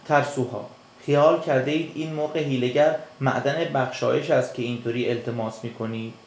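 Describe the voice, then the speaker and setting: A man's voice: mid-range voice, fairly even intonation, slight background noise, lightly acted. A man voicing a brave, clever little black fish who speaks firmly and with scorn for cowards, in a storybook reading. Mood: defiant. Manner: scornful, firm. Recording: echoey room.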